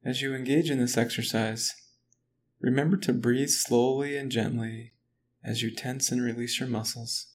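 A relaxation guide with a mid-range voice reads a muscle relaxation script slowly, calmly and evenly. His voice stays level with little rise and fall, and faint background noise runs throughout.

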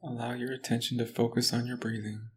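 A man leads a muscle relaxation exercise in a slow, calm, even manner. His voice stays level, with little rise and fall. There is a faint background noise throughout. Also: mid-range voice. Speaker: relaxation guide. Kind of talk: guided relaxation script.

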